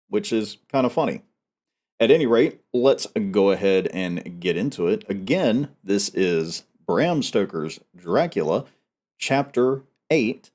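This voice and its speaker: A man's voice: on the low side, darkish tone. A man hosting a novel read-aloud, talking casually and reading in an audiobook style. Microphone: headset.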